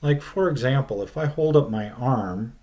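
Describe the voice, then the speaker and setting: A middle-aged man teaching a recorded science lecture, explaining slowly and deliberately, with phrase ends that drop off, filmed at a desk by a webcam in a small room with a plain white wall. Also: medium pitch, mellow.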